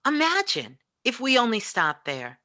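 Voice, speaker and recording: A woman speaks as a spiritual teacher in a bright, forceful voice. The sound is dry, and she drives her points home emphatically, repeating phrases as she motivates the listener. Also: on the high side, wildly swooping pitch, measured pace, no room sound. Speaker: spiritual teacher and show host, as guest.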